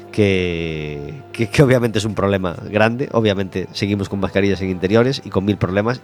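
A man hosts a radio interview in an easy, chatty way. His voice sits on the low side. Faint music plays softly behind him. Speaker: radio host.

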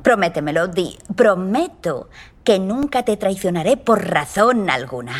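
A woman's voice: mid-range voice, big pitch swings, measured pace. A woman dubbing a brash, foul-mouthed young woman in a dubbed TV comedy, blunt and sarcastic. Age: young adult. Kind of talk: Spanish TV comedy dub.

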